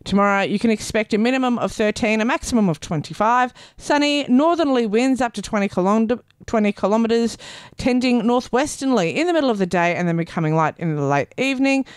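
A woman's voice: fairly high pitch, expressive, brisk, clear, resonant tone, no room sound, clean studio sound. A woman in her thirties with an Australian accent, hosting community radio in a playful, self-mocking way. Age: 30s. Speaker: radio host. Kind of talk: community radio chat and weather read. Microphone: studio microphone.

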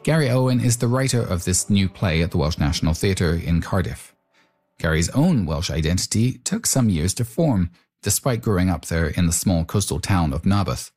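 A man's voice: low voice, animated, normal speed, a little mellow. A man presenting and narrating a radio-style feature, also asking the interview questions.

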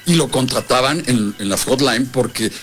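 A man's voice: medium pitch, normal speed, soft background music. Joking radio regular, man. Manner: joking, crude punchlines. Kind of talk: comic storytelling on radio.

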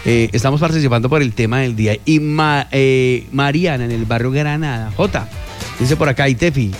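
A man's voice: medium pitch, moderate pace, soft background music. A man hosting a casual morning radio show, reading out listener messages in an upbeat way. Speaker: radio host.

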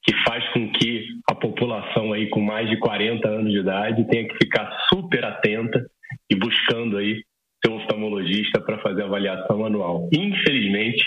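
A Brazilian man in his forties speaks as an ophthalmologist, explaining with homely comparisons and checking in with a quick "tá?". His voice is bright and forward. The line sounds dull and roomy, as if it were picked up by phone in an echoing room. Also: on the low side, a little hiss or hum. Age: 40s. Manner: explains with everyday analogies, adds "tá?" tags. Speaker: ophthalmologist guest. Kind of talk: explaining to a lay audience in a radio interview.

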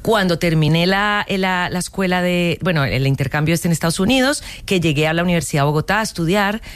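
A Colombian woman in her forties, an actress speaking casually in an interview, telling her story in a lively way with frequent restarts and long lists. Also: fairly low pitch, quick pace, no echo. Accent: Colombian Spanish.

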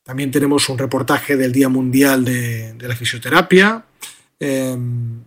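A man, a guest from a sports organization, giving a steady rundown of a program's contents. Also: mid-range voice, unhurried. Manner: steady rundown with some fillers.

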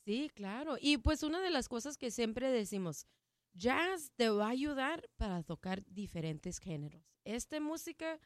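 In studio-quality audio without echo, a woman with a fairly high pitch and big swings in intonation talks about her jazz program. English is her first language, but she speaks Spanish in this casual interview, haltingly and with many restarts and fillers.

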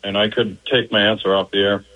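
Guy calling into a radio show, thin tinny phone sound, asks his question like he's thinking out loud. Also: lowish voice, level tone, fairly quick. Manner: curious, thinking aloud as he asks. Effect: phone call on the radio. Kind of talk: casual question to a radio host.

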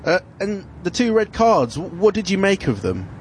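A man presenting a sports news report and questioning guests, brisk with some fillers. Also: high-pitched, sing-song, slight background noise. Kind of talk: broadcast presenting and interviewing.

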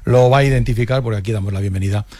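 A man presenting regional sports news on the radio, measured and pausing with frequent fillers. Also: on the low side, darkish tone, no echo.

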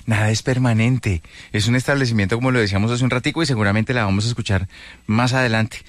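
A man's voice: mid-range voice, steady tone, quick pace, no echo. A man hosts a radio interview with a mid-range voice. He teases his guest in a playful way, recorded close in a dry studio. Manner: warm-hearted, playful, teasing. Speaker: radio host.

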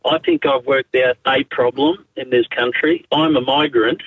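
A man's voice: medium pitch, fairly even intonation, moderate pace, fairly bright tone, breathy edge, no echo, poor audio. An Australian-accented man calling a talk radio show, speaking bluntly in a matey way. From Spain. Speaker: caller.

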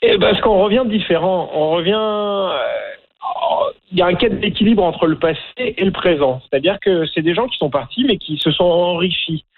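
A middle-aged man from France speaks with a French accent, his voice sitting a little high for a man. He hesitates a lot, filling pauses and restarting his sentences as a guest in a radio interview. The sound is thin and tinny, as if coming down a phone line. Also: expressive, breathy edge. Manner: hesitant, many fillers and restarts. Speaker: documentary filmmaker guest.

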